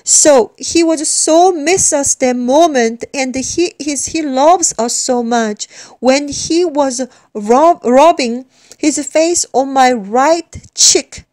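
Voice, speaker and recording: A woman from South Korea with a Korean accent, giving an earnest religious testimony in halting English, often repeating and restarting words. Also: high-pitched, darkish tone, dry recording.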